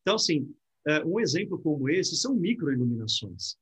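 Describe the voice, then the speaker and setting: A man's voice: a little high, sing-song, fairly quick, a bit bright, husky. A man who hosts the talk as a Buddhist teacher, explaining ideas reflectively and often closing his points with tag questions. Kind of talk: reflective conversation.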